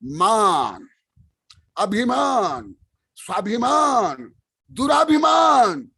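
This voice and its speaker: Husky high-voiced older man preaching. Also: big pitch swings, extremely slow. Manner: emphatic, repeats phrases, shouts key words, chants verses. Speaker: Jain acharya preaching. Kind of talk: sermon. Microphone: online webinar stream.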